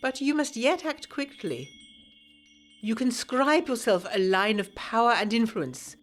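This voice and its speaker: A woman voicing a mysterious, commanding female clairvoyant who gives occult instructions in a measured, oracular way in a gothic audio drama. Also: fairly high pitch, animated, voice pushed up. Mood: portentous.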